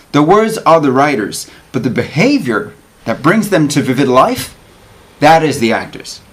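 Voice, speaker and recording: Expressive man reading an essay aloud. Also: medium pitch. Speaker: actor reading an article aloud.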